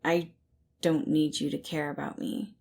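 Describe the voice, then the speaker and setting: Woman as a guarded, low-pitched sullen loner man. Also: flat delivery, a little slow, gravelly, darkish tone, full character voice. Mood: grudging, reluctant. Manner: curt, wary, grudging.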